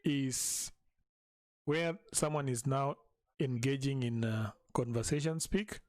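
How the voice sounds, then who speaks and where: A man teaching a language in a live stream, patiently repeating each phrase slowly for learners. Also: medium pitch, darkish tone, no room sound.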